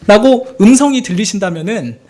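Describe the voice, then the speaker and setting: An assistant pastor preaches a Sunday sermon in a high, brisk voice. He's animated throughout, acting out prayers and conversations as he goes.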